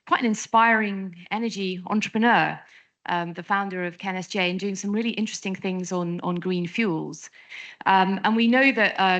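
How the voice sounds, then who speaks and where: A woman moderating a conference panel, brisk and friendly, with frequent ums. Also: medium pitch, fairly bright tone. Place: conference stage.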